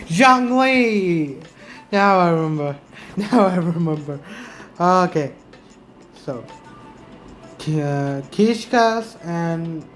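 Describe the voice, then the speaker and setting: A woman giving casual gameplay commentary, thinking aloud in short reactions. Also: low-pitched. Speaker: gaming streamer. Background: faint game music.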